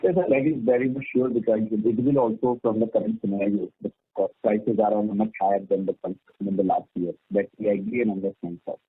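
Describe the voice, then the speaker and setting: A man's voice: fairly low pitch, fast, hardly any pauses, husky, no echo, faint music behind. A man with an Indian accent politely questioning company management as an analyst on a conference call. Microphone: phone conference line. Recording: narrowband, tinny phone line.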